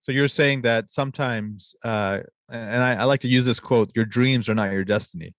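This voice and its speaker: A young adult man hosting a podcast interview. He talks reflectively, paraphrasing his guest and working in quotes, recorded on a boom-arm studio mic in an office studio. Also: moderate pace, dry recording. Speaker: podcast host, physician.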